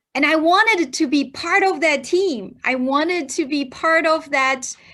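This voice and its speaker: Her raised, projected voice is high, bright and sharp, with ordinary pitch variation and very even loudness. The woman speaks at a fairly slow pace. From southern China. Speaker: financial advisor. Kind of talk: interview.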